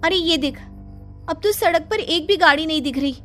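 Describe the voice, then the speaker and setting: A jumpy young office worker who frets over every shadow, speaking in a very high, thin voice, acted by a woman. Faint music runs under this cartoon story. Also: normal speed, a bit bright. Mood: worried. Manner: anxious, fretful.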